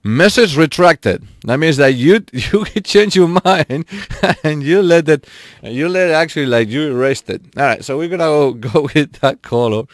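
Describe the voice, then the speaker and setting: Chatty male live streamer, slightly high voice. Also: normal speed, no room sound, studio quality. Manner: chatty, laughs often, talks straight to chat viewers. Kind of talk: casual live-stream chat while gaming.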